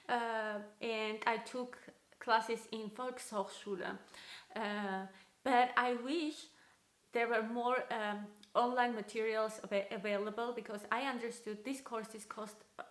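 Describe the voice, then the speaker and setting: A woman in her thirties with a strong Armenian accent, chatting casually to camera as a vlogger with many fillers. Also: medium pitch. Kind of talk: casual vlog talk to camera. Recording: echoey room.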